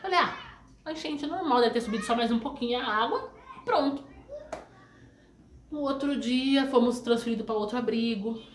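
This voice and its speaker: A woman's voice: on the high side, normal speed, pauses often, reverberant, a little hiss or hum. A woman with a Brazilian Portuguese accent tells her life story to her viewers in a casual, emotional way, often repeating phrases.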